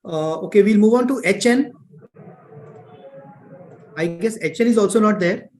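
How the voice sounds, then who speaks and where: A male moderator runs the queue on a conference call. His voice is high for a man, and his delivery is informal. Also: moderate pace, darkish tone, rough recording.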